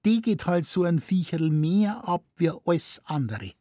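A woman's voice: lowish voice, expressive, measured pace, warm tone, dry recording, studio quality, voice pushed up. A man reading aloud voices a plaintive, nagging Munich wife in broad Bavarian dialect. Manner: plaintive, scolding, pleading.

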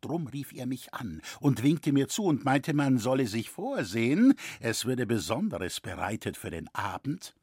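A man's voice: mid-range voice, sing-song, a little slow, hardly any pauses, darkish tone, husky, no echo, clean studio sound. A man voicing an anxious old male woodcarver who pleads with agitation. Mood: uneasy. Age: older.

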